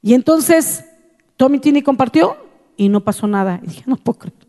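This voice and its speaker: A woman's voice: high-pitched, lively intonation, normal speed, mellow. Woman pastor preaching in a reverberant hall. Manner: earnest storytelling, repeating phrases for emphasis. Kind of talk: testimony in a sermon.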